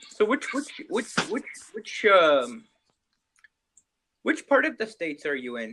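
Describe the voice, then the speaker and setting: Long, frequent pauses from a man at a fairly slow pace, with a slight Canadian accent. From Canada, Kelowna BC. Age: 40s. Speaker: live stream host. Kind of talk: casual chat.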